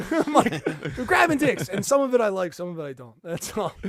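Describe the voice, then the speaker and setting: A man in a New Jersey accent talks at a fairly quick pace with very wide pitch swings amid noticeable background noise. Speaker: podcast host. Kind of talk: casual chat. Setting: studio. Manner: filler-heavy, repetitive.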